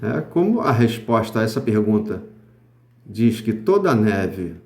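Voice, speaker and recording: Lively, chatty teacher in an echoey room. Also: male voice, fairly low pitch, measured pace, creaky. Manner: chatty, checks understanding with constant tag questions; slangy and informal, with hesitant fillers. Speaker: Portuguese teacher. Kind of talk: casual spoken grammar lesson.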